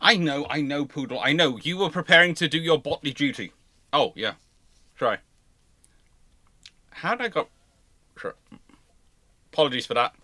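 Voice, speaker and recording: A man's voice: fairly high pitch, animated, moderate pace, long pauses, pushed and bright, dry recording. A man hosting a livestream in casual chat, rambling and repeating himself as he goes. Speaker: livestream host.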